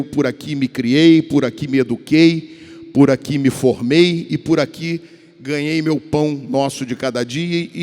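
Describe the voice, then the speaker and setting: A man's voice: on the high side, darkish tone. A man in his fifties with a Carioca accent from Rio de Janeiro, giving a formal speech as a state deputy, rambling and restarting his words. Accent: Carioca Portuguese. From Rio de Janeiro, Brazil. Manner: rambling, repeats and restarts words, addresses colleagues. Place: large legislative chamber. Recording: long reverb of a large hall.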